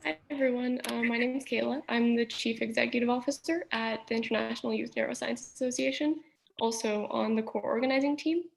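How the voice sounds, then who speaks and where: Friendly young woman with a gravelly edge. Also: a little high, a little fast, rough recording. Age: young adult. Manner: friendly, informative overview. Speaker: nonprofit chief executive. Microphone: video call.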